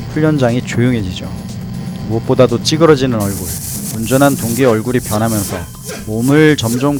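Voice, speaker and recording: A man narrates in a casual explanatory style, at an average pitch. He dramatizes playfully and throws out rhetorical questions. Faint music plays behind his voice. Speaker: host and narrator, former pilot trainee.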